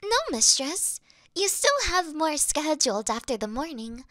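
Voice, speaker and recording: A woman's voice: high-pitched, lively intonation, unhurried, sharp tone, no room sound, clean studio sound, heavily acted. A woman voicing a devoted female demon servant who worships her mistress, fawning and flustered in a scripted audio roleplay. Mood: adoring.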